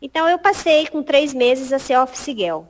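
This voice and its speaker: Guesting on a podcast for a casual storytelling interview, a high-voiced woman from Piauí, Brazil, tells her story at a normal speed in Piauí-accented Brazilian Portuguese. She is animated, laughs often, and acts out the dialogue she quotes.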